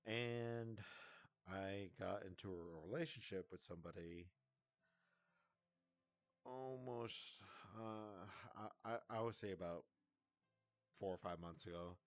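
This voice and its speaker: A man's voice: lowish voice, slow pace, long pauses, dry recording. A man casually recounting a breakup in a vlog, hesitant and rambling, often stammering and restarting.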